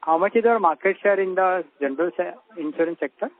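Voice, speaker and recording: A man's voice: high-pitched, quick pace, no room sound. A man with an Indian accent calling in as an investor to ask questions on an earnings call. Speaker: investor caller. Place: conference phone call. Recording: tinny phone line.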